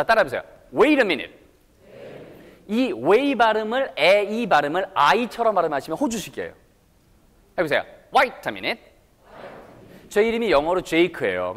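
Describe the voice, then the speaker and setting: A man's voice: sits high, a bit bright. A man giving a playful English lesson to a live audience, coaxing them to repeat after him. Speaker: English lecturer. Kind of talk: lively public lecture to an audience. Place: lecture hall. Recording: reverberant hall.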